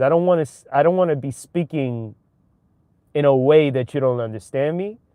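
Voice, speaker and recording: With a strong New York accent, a man talks at a moderate pace. His pitch is fairly high and his intonation lively. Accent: strong local New York. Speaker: livestreamer. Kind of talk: casual livestream chat. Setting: livestream. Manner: casual, halting with repetitions.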